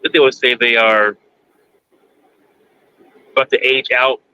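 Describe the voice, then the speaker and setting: Man in his forties, bright voice, halting, lots of ums, dull lo-fi audio. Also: medium pitch, level tone, clear, resonant tone. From United States, Kentucky. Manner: halting, many ums, plainspoken. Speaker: guest. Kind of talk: interview answers. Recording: dull lo-fi sound, faint background noise.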